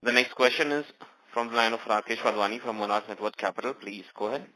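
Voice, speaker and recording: A male conference operator makes formal, scripted announcements. His voice is fairly low yet strikingly bright and crisp-edged. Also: fairly even intonation, quick pace, a little hiss or hum, rough recording. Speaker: conference call moderator.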